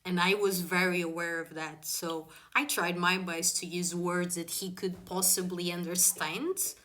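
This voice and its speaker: Casual vlogger, woman, English not her first language, rambling storyteller, fillers and swearing, slightly low voice. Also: flat delivery, unhurried, fairly bright tone.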